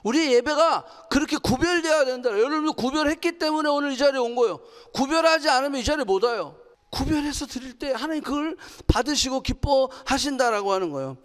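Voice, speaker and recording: A woman's voice: high voice, brisk. A woman pastor giving a sermon, questioning her congregation and acting out quotes with energy. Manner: animated, asks the congregation questions and acts out quotes. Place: church sanctuary. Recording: long hall reverb.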